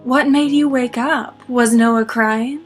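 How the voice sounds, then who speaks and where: A woman's voice: on the high side, fairly even intonation, slow pace, soft background music. A woman voicing a young wife and mother in a horror story, soothing, practical and reassuring.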